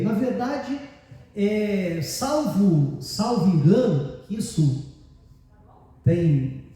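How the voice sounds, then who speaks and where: A male pastor with a Brazilian Portuguese accent tells a story from the pulpit, chatty and qualifying his memory as he goes. His voice is high yet mellow. He is picked up from a distance, with the long echo of a large church hall around him. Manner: conversational, hedging and self-correcting as he recalls details. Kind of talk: storytelling sermon. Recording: echoey church hall from far off.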